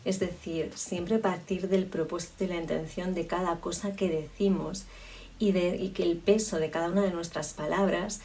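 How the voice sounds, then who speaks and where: Creaky-voiced woman coaching speech. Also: fairly low pitch, steady tone, normal speed, dark tone, recorded from a distance. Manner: reflective, explanatory, with frequent restarts. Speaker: public speaking coach. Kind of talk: spoken lesson on communication.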